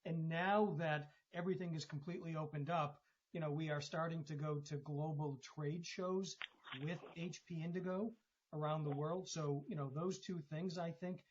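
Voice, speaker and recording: Higher-pitched male executive, slightly dull audio. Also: steady tone, moderate pace, slight background noise. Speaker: company executive. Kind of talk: explanatory answer on an earnings call. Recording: dull conference phone line.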